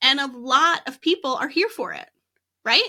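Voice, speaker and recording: A raised, projected voice with an animated, bright, sharp tone, moderate pace and ordinary pitch variation, in a very clean recording with a silent background. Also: woman. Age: 40s. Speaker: podcast host and graphic designer. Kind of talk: casual solo monologue.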